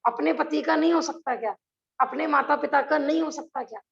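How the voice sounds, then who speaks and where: This religious teacher, a woman whose high voice carries a gravelly texture, moves briskly through an online scripture lesson. Her tone is earnest, and she keeps throwing rhetorical questions at the class over muffled, lo-fi video-call sound.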